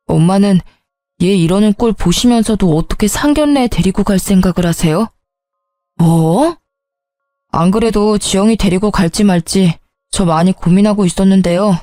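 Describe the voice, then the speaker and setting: A woman's voice: medium pitch, moderate pace, mellow, dry recording, close to an everyday voice. A woman doing an exasperated grown son. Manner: exasperated, pleading. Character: grown eldest son, frustrated and pleading. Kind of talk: storybook narration.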